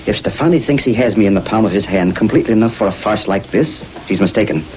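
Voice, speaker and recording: A man playing a stern deep-voiced judge. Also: quick pace, darkish tone, lightly acted, poor audio. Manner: formal, dignified. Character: upright older judge, stern but shaken. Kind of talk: 1930s radio drama acting. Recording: old radio transcription with faint hiss.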